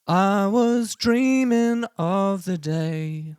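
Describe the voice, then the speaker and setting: A man sings a slow demo line through an auto-tune effect that shifts his pitch and formant. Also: a little mellow, smooth, no echo, clean studio sound. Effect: auto-tuned singing with shifted pitch and formant. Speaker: tutorial presenter.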